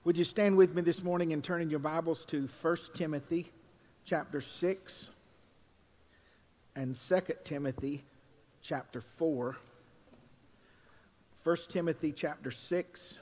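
An older man, a pastor preaching at a pulpit microphone, mixing folksy asides with loud, drawn-out scripture reading. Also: a little high. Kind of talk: sermon. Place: church sanctuary. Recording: long reverb in a church hall.

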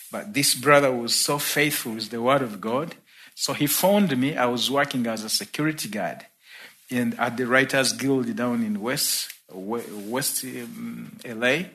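Ugandan guy preaching at church, bright tone, chatty story with little laughs. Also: medium pitch. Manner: warm storytelling, laughs between points. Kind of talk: sermon testimony.

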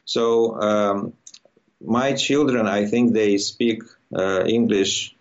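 Low-voiced Russian man, dull lo-fi recording. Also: fairly even intonation. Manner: halting, searching for words. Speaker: interview guest, immigrant to Quebec. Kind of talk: conversational personal account in an interview.

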